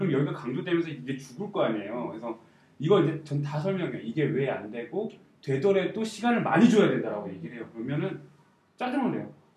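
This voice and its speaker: Talking at a very fast pace, a man with a fairly high pitch and vocal fry swings his pitch very widely. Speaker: designer. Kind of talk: casual chat.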